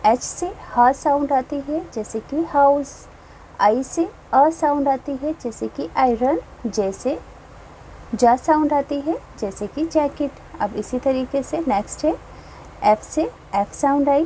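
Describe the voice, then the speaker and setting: A woman teacher slowly explaining a children's English textbook, reading each line and giving its meaning. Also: high-pitched, dark tone, a little hiss or hum, low-quality recording.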